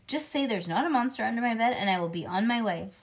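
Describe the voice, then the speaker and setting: A woman voicing an excitable, pushy little schoolgirl who talks in insistent, rambling bursts. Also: a little high, quick pace.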